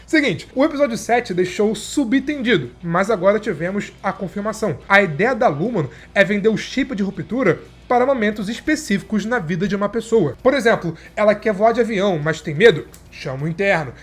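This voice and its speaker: Speaking a little fast with few pauses, this man has a high, expressive voice with a breathy edge, nasal and stuffy from a blocked nose and sore throat. He's Brazilian, with a Brazilian Portuguese accent, chatting eagerly about a TV series in casual commentary for his viewers.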